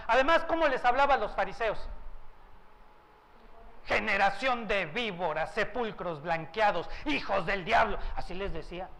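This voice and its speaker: Man, pastor, high voice, sermon, shifting tone and pace. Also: fairly bright tone, poor audio. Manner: varies tone and pace for emphasis, asks rhetorical questions. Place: church.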